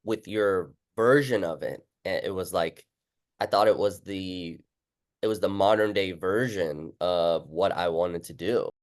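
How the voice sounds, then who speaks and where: A man's voice: low voice, a little slow. A man hosting a casual, conversational interview, talking informally with his guest. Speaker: host and book author.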